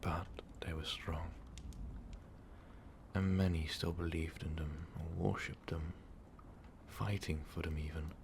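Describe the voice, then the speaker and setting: A man playing an ancient, brooding vampire overlord in an intimate ASMR roleplay, speaking in a weary, halting, breathy whisper. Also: background noise, exaggerated voice. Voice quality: breathy, gravelly low whisper. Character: ancient, brooding male vampire overlord, tormented former rebel.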